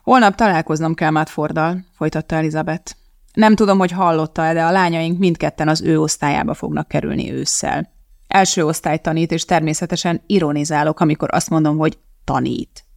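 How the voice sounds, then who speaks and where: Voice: medium pitch, steady tone, creaky, dry recording, studio quality, close to an everyday voice. A reader voicing a blunt, determined mother. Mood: indignant. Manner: firm and matter-of-fact. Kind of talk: audiobook character voice.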